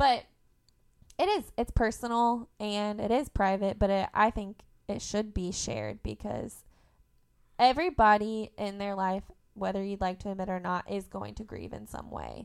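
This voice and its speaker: In an American accent, an unremarkable speaking voice moves at a moderate pace with big swings in loudness, on a very clean recording with a silent background. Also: woman, medium pitch for a woman. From Indiana, US Midwest. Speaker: podcast guest. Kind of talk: casual chat.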